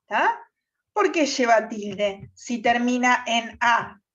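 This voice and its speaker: Slow-speaking woman teacher. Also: fairly high pitch, animated, a bit bright, lo-fi sound. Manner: checks understanding with frequent "¿tá?". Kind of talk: classroom lesson on Spanish accent rules.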